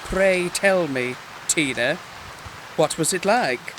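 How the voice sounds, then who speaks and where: A man's voice: on the high side, takes it slowly. An actor playing a prissy, melodramatic married gay man with pompous, arch phrasing in an audio comedy. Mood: indignant. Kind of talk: comedy audio drama dialogue. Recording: clearly noisy, rain-like background.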